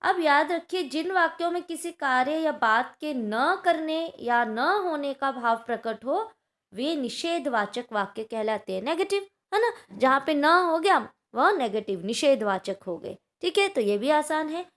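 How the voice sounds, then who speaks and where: A woman's voice: sits high, expressive, unhurried, fairly bright tone. A woman teaching a Hindi grammar lesson to schoolchildren, explaining patiently and checking in often with her class.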